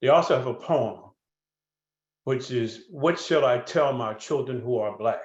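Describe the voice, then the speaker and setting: A man at medium pitch, somewhat breathy, fairly slow, with long, frequent pauses. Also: ordinary pitch variation. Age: 70s. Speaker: educator. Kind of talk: webinar panel talk.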